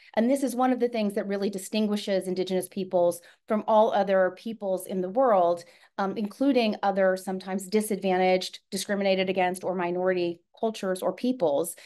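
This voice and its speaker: Her American accent, medium pitch and dark, mellow tone carry fairly even intonation as this woman talks at a fairly quick pace against a quiet background. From Oklahoma, rural. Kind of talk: seminar presentation. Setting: video call webinar. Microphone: webcam.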